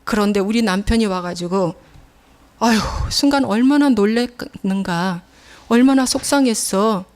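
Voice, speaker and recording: A woman's voice: mid-range voice, a little slow, a little mellow. A middle-aged woman pastor preaching a sermon in a church, telling stories emphatically and acting out the scolding voices she quotes.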